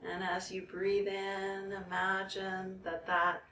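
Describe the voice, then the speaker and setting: A woman leading a guided meditation in a soothing, measured way, leaving long pauses between phrases. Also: medium pitch, monotone, pushed and bright. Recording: roomy, distant mic, background noise.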